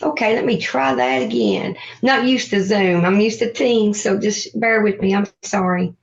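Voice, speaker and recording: Woman, advocate presenting over a video call, halting, lots of "um"s, muffled lo-fi sound. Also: mid-range voice, lively intonation. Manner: halting, with frequent "um"s. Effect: heard over a Zoom video call. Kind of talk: informal presentation at a virtual meeting. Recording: dull, lo-fi video call audio.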